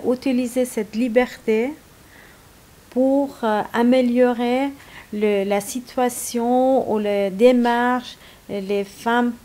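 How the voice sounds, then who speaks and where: Slow, halting middle-aged woman from Iran. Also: fairly high pitch, warm tone, slight background noise. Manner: slow, searching for words, many hesitations. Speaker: interviewee, volunteer interpreter. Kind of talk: personal interview.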